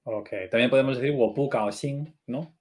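A man on a language-learning podcast, talking in an easy conversational way. He keeps asking questions and checking each point as he goes. His pitch sits in a middle range. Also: moderate pace, a little mellow. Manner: asks questions and checks understanding. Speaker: co-host of a Chinese learning podcast. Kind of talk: casual language lesson chat.

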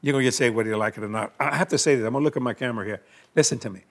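A man's voice: medium pitch, rapid-fire. An older man, hosting a Christian TV talk show in a folksy, colloquial way and leading a prayer. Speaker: televangelist host.

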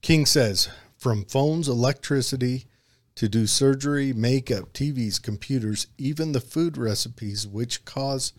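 A man with an Appalachian accent co-hosts a casual talk show. He speaks in a folksy, rambling, self-deprecating way, at a middling pitch. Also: unhurried. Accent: Appalachian hillbilly. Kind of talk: casual chat, reading out listener comments.

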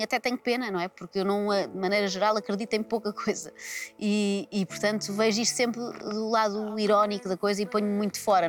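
A woman with a European Portuguese accent, a comedian chatting in an interview with a skeptical, ironic manner. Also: medium pitch. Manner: ironic, skeptical, quick-talking. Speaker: comedian guest. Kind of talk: casual interview talk. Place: large empty arena.

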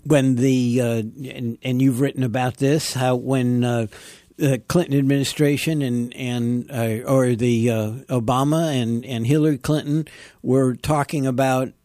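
A male podcast host introducing and interviewing a guest, speaking haltingly with many fillers. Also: mid-range voice, fairly even intonation, mellow, dry recording, clean studio sound.

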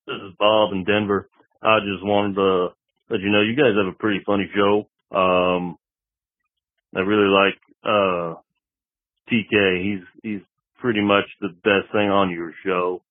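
Brief: man faking a low, flat, hesitant voicemail caller, phone-line sound. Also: no room sound, close to an everyday voice. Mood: friendly. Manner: hesitant, halting, full of ums. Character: mellow male caller, laid-back and polite.

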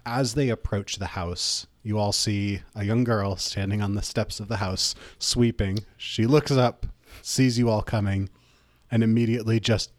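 Low-voiced man narrating a tabletop game. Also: steady tone, measured pace, no echo. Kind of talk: narration of a tabletop role-playing podcast.

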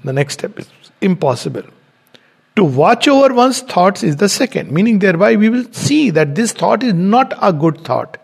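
A man's voice: high-pitched, sing-song, moderate pace, creaky, slightly rough. A man giving a spiritual teaching talk, explaining his points step by step. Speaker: spiritual lecturer.

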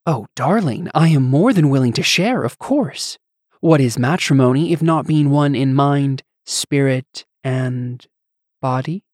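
A man's voice: mid-range voice, measured pace, darkish tone, no echo, clean studio sound, close to an everyday voice. A man voicing a sultry, scheming goddess in an audiobook, with a coaxing, condescending, theatrical manner. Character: sultry, scheming, languid goddess, vain wife. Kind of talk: audiobook character acting.

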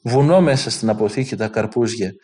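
A man preaching, telling stories of an elder in an earnest way and acting out the dialogue. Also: fairly low pitch. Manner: earnest, lively quoting of dialogue. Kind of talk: sermon storytelling.

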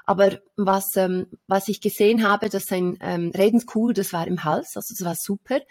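A woman visualization coach co-hosting a casual weekly talk, telling a client story with pauses and restarts. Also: mid-range voice, fairly even intonation, a little mellow, dry recording, studio quality. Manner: thoughtful, many fillers and restarts. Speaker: visualization coach, podcast co-host. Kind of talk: casual chat.

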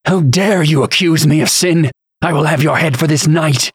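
A man's voice: a little high, normal speed, slightly rough, no echo, clean studio sound, pitched above the performer's own voice. A man voicing an indignant, frightened bishop in an audiobook, spluttering and pleading. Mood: outraged. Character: indignant, terrified male bishop pleading and blustering. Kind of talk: audiobook character acting.

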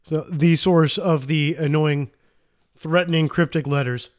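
Male podcast co-host, slightly high voice, chatty and excitable, stumbles and restarts often. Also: a little slow. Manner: rambling, self-interrupting, enthusiastic. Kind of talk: casual movie recap chat.

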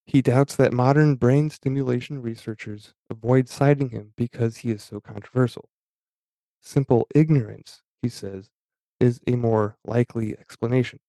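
A man hosting a podcast, talking in a halting, casual way and often stopping to restart his sentences. His pitch stays level with little movement, and his voice has a mellow, dark tone. The recording is close and dry. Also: steady tone, no room sound. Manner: halting, many fillers and restarts. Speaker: podcast host. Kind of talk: casual talk reading aloud from an article.

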